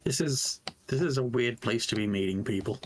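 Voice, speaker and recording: A man's voice: mid-range voice, moderate pace, a little hiss or hum. A man playing a tabletop game with casual banter.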